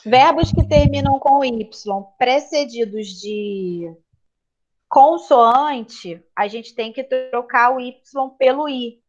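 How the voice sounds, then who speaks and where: Woman, Brazilian Portuguese accent, teacher, patient explaining, fairly high voice, slightly dull lo-fi sound. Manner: patient, explanatory, checks in with students. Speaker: English teacher. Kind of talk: online class explanation.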